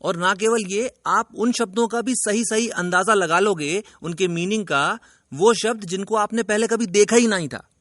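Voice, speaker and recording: Man, high voice, dry close sound; emphatic teacher lecturing straight to camera. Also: normal speed, fairly bright tone, dry recording. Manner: emphatic, lecturing, addresses viewer directly. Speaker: English teacher. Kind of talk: instructional video lesson.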